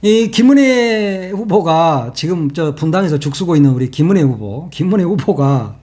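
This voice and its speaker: This man hosts his own political commentary channel, speaking in a slightly high voice with a dark tone. He talks casually, mocking and sarcastic, and laughs at his own jokes.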